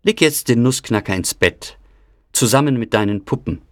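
A man voicing a kindly, mysterious old uncle who speaks gently and soothingly. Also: medium pitch, lively intonation, normal speed, dry recording, clean studio sound, natural voice.

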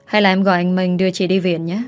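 A woman voicing a polite, soft-spoken young second wife in a spoken story. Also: lowish voice, little pitch movement, quick pace, soft background music, close to an everyday voice.

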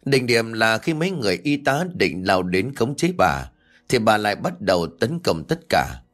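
Dramatic low-voiced male storyteller. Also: very animated, moderate pace, a bit bright. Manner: dramatic, with sweeping pitch swings. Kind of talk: scripted horror story narration. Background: faint background music.

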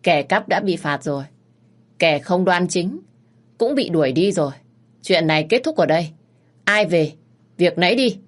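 A woman's voice: on the low side, lively intonation, moderate pace, lightly acted. Lady doing a harsh rich young master, bossy and cold. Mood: commanding. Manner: commanding, harsh. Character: stern young master of a wealthy household.

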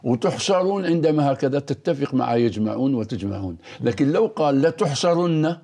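A man's voice: medium pitch, animated, a little fast, mellow. A man explaining Quranic grammar in a teacherly manner, quoting verses and quizzing his co-host. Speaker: scholar of Quranic language. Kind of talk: explanatory religious lesson in dialogue.

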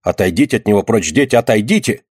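A man voicing a sharp-tongued, pious young townswoman who scolds and accuses in a shrill way. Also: brisk, no echo, studio quality, natural voice. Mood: furious.

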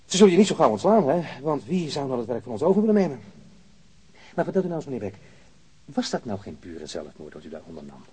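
An actor playing a sardonic, impatient corpse collector with gallows humour in a radio drama, talkative and mock-polite. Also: male voice, medium pitch, very animated, quick pace, dark tone, husky. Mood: needling.

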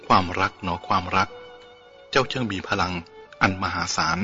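A man voicing a calm, reflective elderly Buddhist monk in an audiobook reading. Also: low voice, normal speed. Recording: dull lo-fi with faint music.

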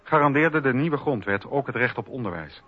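A man's voice: medium pitch, expressive, moderate pace. A man narrating history from a script for a documentary radio play. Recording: dull radio recording with faint music.

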